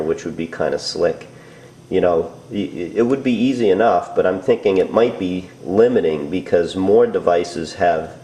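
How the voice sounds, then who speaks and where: A man's voice: sits low, dark tone. A middle-aged man giving a casual, hands-on DIY tutorial, informal and a little hesitant as he thinks aloud. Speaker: DIY home improvement demonstrator. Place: indoors in a house. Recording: echoey room with background noise.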